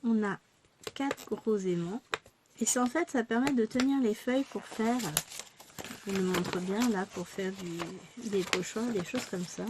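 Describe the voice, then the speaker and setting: A woman's voice: mid-range voice, measured pace, noisy background. A woman chatting casually through a craft shopping haul, self-mocking and exclaiming over each item.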